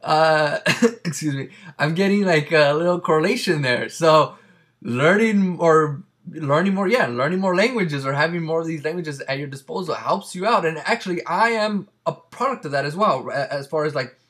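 A man's voice: on the high side, moderate pace, a bit bright. A man whose first language is Spanish, hosting a casual interview and talking with many fillers and restarts. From Mexican family. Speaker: podcast host.

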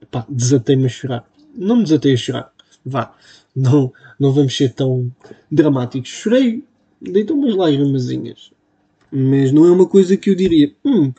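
A man's voice: on the high side, warm tone, husky. A young man with a European Portuguese accent hosting a casual solo podcast, rambling and poking fun at himself. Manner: rambling, self-mocking, full of fillers. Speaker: podcast host. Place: home room at a computer. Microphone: computer mic.

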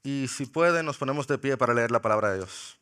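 Bright-voiced pastor preaching. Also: male voice, mid-range voice, smooth. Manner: playful, jokes with the congregation; slows for emphasis on key words. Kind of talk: sermon. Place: church sanctuary.

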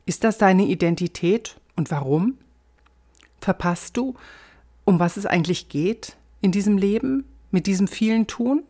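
A woman giving a scripted Christian devotional, guiding the listener directly in a measured, gently instructive way. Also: mid-range voice, animated. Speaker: host of a Christian reflection. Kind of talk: scripted devotional talk with guided reflection.

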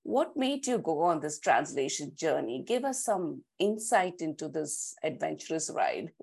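A woman's voice: deep voice, very animated, a little slow, gravelly, darkish tone, husky. A woman interviewing a guest, engaged and asking long, carefully framed questions.

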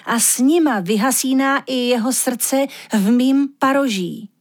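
A woman voicing an anxious male magic reindeer who talks in a slangy, pleading way, with a husky voice. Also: sits high, voice pushed up. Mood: urgent, pleading.

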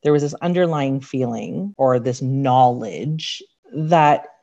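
A woman with a raspy, slightly deep voice, a podcast guest telling candid, reflective stories from her life in casual chat. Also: slow pace, mellow. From Canada. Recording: dull lo-fi sound.

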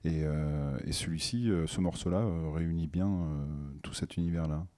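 A man's voice: rumbling low, normal speed, mellow. A man, a guest DJ, chatting on the radio, groping for words with many restarts. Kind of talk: casual radio chat.

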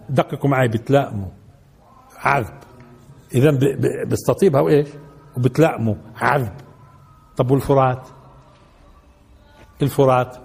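A man's voice: fairly high pitch, creaky, darkish tone, breathy edge. A man teaching a class, asking his listeners questions and repeating key words. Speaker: sheikh teaching Quran commentary. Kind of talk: classroom lesson in colloquial Arabic.

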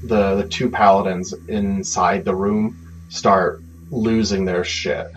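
A man narrating a tabletop roleplaying game as game master, setting scenes in a conversational, halting, improvised way. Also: low-pitched, level tone, slight background noise. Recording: dull audio under loud music. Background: music.

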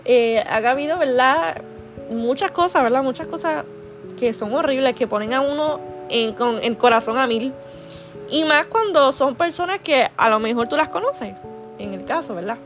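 Earnest woman, pitched high. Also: expressive, moderate pace, faint music behind. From Puerto Rico. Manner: earnest and affectionate, with constant "¿verdad?" tags and restarts. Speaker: podcast host sharing a devotional. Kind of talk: heartfelt devotional talk.

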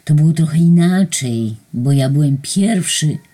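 A woman's voice: sits low, expressive, measured pace, mellow, voice pushed up. Woman voicing a sheepish male guardian angel. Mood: flustered. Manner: stammering, hesitant excuses.

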